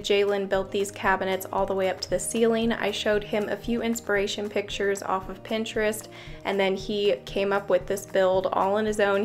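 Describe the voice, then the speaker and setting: A young woman talks through her kitchen renovation in a voice-over, cheerful and chatty as she explains each step. Her pitch sits in the middle range, and soft music plays quietly underneath. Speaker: home renovation vlogger. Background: faint background music.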